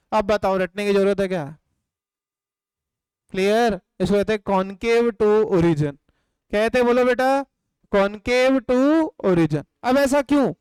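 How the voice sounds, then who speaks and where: An economics teacher with a high, slightly mellow voice gives a live class lecture, recorded cleanly without echo in a classroom or home studio. He asks the class questions, prompts their answers and drills key points through call-and-response.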